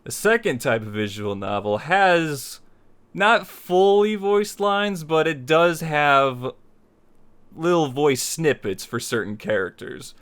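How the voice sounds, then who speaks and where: A man's voice: fairly high pitch, animated, slow pace, fairly bright tone, clear, resonant tone. A man hosting a tutorial in casual, conversational talk to viewers, often rephrasing his points. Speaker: host of a tutorial series on making visual novels.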